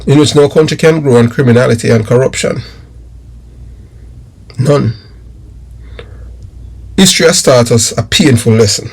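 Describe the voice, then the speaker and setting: Middle-aged Jamaican-accented man, mid-range voice, forceful repetitive commentary to camera. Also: medium pitch, moderate pace, gravelly, pauses often, slightly rough. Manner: emphatic and repetitive, addresses viewers directly. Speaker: YouTube commentator and former detective. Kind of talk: political commentary monologue.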